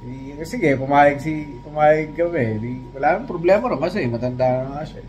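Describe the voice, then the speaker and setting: A man's voice: on the high side, moderate pace, darkish tone, faint music behind, rough recording. Easygoing Filipino man chatting. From Philippines. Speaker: vlogger. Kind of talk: casual chat.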